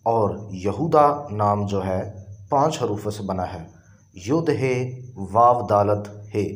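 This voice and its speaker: A man with an Urdu accent, teaching a Bible lesson in a slow, deliberate, explaining way. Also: lowish voice. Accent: Pakistani Urdu. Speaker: preacher.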